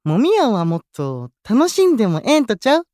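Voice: medium pitch, huge pitch swings, a little fast, warm tone, dry recording, studio quality. An actor playing an easygoing young male idol in an audio drama, chatting casually in a Kansai accent. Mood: gently excited. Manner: casual, friendly dialect speech. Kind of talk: Japanese audio drama acting.

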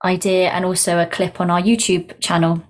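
A woman's voice: on the low side, level tone, moderate pace. Woman podcast host, attentive, keeps saying mm while listening. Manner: attentive, frequent "mm" backchannels. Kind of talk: podcast interview.

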